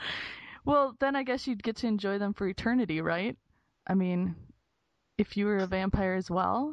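In a Minnesotan accent, a woman with a medium pitch speaks with long, frequent pauses against a quiet background. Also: ordinary pitch variation, moderate pace. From US Minnesota. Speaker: podcast host. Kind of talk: casual chat.

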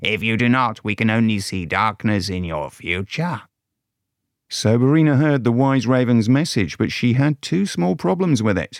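The voice takes a theatrical tone, moving at a moderate pace with very wide pitch swings. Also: man, medium pitch for a man. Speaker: storyteller. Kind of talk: scripted fairytale narration, darkly comic. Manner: theatrical, sweary, sarcastic snarl for the witch's lines.

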